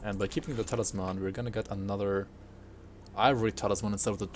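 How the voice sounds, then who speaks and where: A man's voice: on the low side, steady tone, fast talker, a little hiss or hum. A man who spent part of his childhood in Sweden gives casual game commentary as a streamer. He rambles loosely, ends thoughts with a tag question and chats with viewers as he plays. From partly raised in Sweden. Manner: chats with viewers while playing.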